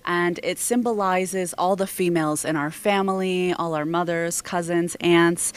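Female artist interviewee, 30s, American accent, lower-than-average pitch, articulate and explanatory. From California, United States. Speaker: guest artist. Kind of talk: on-camera interview answers. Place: large indoor exhibition room. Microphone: handheld microphone.

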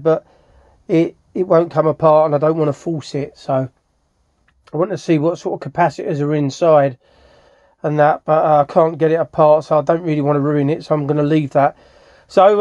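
A middle-aged man with a fairly high voice talks through a practical job in a casual way. He pauses and thinks aloud as he works. The sound is dry and slightly dull, as from a camera microphone. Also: a little mellow, dry recording. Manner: halting, thinking aloud while working. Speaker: furniture restorer demonstrating his work. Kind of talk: casual hands-on workshop tutorial. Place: small cluttered indoor workshop.

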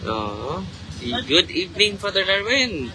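A man's voice: high voice, sing-song, slow pace, noisy background. A man, a Catholic priest chatting on a live stream from a car at night, laughing often and filming on a phone at arm's length. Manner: chatty, laughs often, switches between Tagalog and Cebuano. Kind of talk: casual live-stream chat. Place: inside a car in traffic at night. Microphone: phone held at arm's length.

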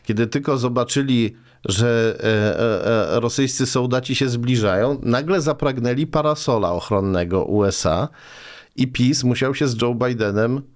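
Speaking at normal speed in a mid-range voice, this forty-something man is a guest in a small-studio political interview. Sarcasm and frequent hesitations mark his speech, picked up through a desk-arm boom mic.

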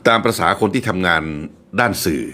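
A deep-voiced man in his fifties, from Thailand, talks straight to his viewers as the host of his own channel. He tells his story in a chatty, self-deprecating way, with a voice that rises and falls a lot and frequent laughs. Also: animated, fairly quick, bright, forceful tone.

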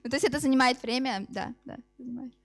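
A young woman with a fairly high voice answers questions after a presentation. She speaks informally and haltingly, starting sentences over as she explains. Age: 20s. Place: open event hall with seated audience.

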